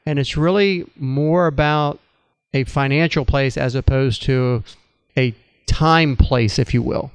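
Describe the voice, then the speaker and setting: Male host, measured and thoughtful, crisp dry voice. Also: mid-range voice, no room sound. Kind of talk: conversational interview on retirement finance.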